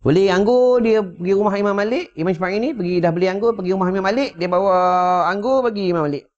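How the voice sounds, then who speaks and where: A high-pitched man with a darkish tone speaks quickly, delivering a sermon sprinkled with humorous asides and rhetorical questions, constantly checking whether listeners understand. He's a religious teacher recorded at home on a wireless lapel mic, and the sound is dull and lo-fi.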